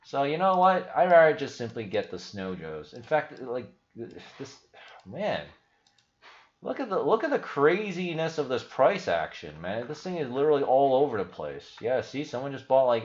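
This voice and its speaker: A man's voice: mid-range voice, very animated, moderate pace, muffled recording. A young man hosting a crypto video, talking casually over his screen share and thinking aloud with many fillers and restarts. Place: indoor room.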